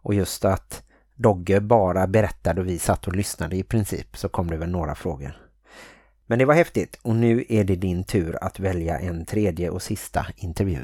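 A man from Sweden hosting a podcast, giving calm and measured introductions. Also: sits low, dry recording, clean studio sound. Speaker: podcast host.

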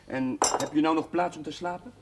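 An actor playing an earnest, moralising Catholic chaplain in a Dutch television drama, speaking formally with some hesitation. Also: male voice, a little high, brisk, creaky, noisy background. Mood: polite, hesitant.

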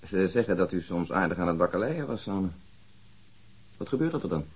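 Calm, husky police detective. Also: male voice, deep voice, full character voice. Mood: polite, probing. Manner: measured, polite, matter-of-fact. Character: calm, courteous, probing male police detective. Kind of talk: naturalistic radio drama dialogue.

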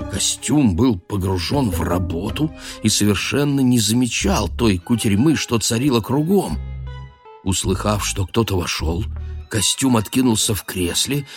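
A man narrating a literary audio drama in a measured storytelling manner. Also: mid-range voice.

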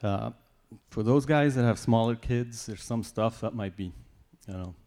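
A man's voice: mid-range voice, unhurried, darkish tone. Swiss German-accented man giving testimony. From Switzerland. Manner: informal, joking asides. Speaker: church guest giving testimony. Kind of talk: personal testimony talk.

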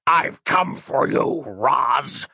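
Monstrous leering male demon, voiced by a man: slow, gravelly, hissing. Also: medium pitch, expressive, sharp tone, no room sound, studio quality, heavily acted.

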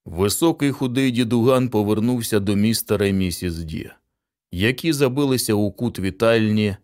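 A man narrating a short story in an even, steady reading voice. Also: lowish voice, moderate pace. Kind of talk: audiobook reading.

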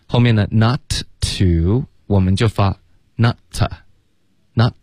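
A man teaches English on a studio radio lesson, his voice sitting somewhat low. He breaks phrases down and says them slowly for listeners to repeat. The recording is dry and close. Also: dark tone, dry recording. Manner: explains slowly, models phrases for repetition.

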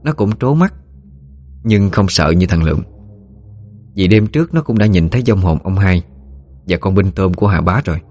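A man's voice: low-pitched, expressive, moderate pace, pauses often, a little mellow, faint music behind. A man narrating a humorous, folksy audio ghost story.

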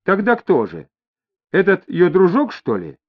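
A man voicing a calm, firm police inspector questioning a suspect, in a steady, pressing way, on a dull lo-fi recording. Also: high voice, unhurried, husky, pitched above the performer's own voice, heavily acted. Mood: steady, probing. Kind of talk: audiobook character voice. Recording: dull lo-fi audio.

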